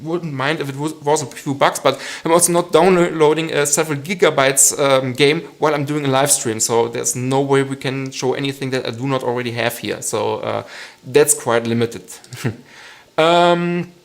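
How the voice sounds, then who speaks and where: A man's voice: mid-range voice, steady tone, normal speed, creaky. A man in his thirties from western Germany with a German accent, hosting a casual live stream Q&A, hesitant with many ums and frequent chuckles.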